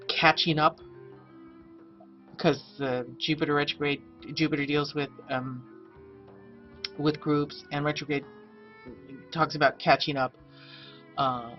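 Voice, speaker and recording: Middle-aged female astrologer, chatty and meandering, muffled home recording with soft music under her. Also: sits low. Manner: chatty and rambling, many fillers. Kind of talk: casual personal vlog update. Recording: dull lo-fi webcam audio, faint music.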